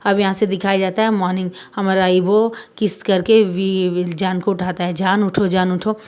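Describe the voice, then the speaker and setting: A woman's voice: medium pitch, flat delivery, moderate pace, darkish tone, smooth. Woman casually retelling a fan story. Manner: chatty, plain delivery, reads every character in her own voice.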